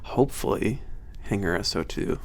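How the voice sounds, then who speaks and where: A man's voice: lowish voice, expressive, moderate pace, slight background noise. A man playing a casual werewolf maintenance trainer with some attitude, teasing and a little hesitant, in an ASMR audio drama. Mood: casual, wry. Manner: hesitant, teasing, sighing and chuckling casual talk.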